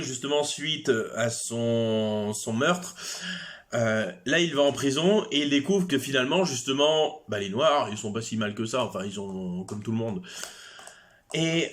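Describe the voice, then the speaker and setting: A man's voice: medium pitch, fairly bright tone. A man giving a casual explanatory monologue, hesitant, with many fillers, restarts and chatty asides. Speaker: video creator.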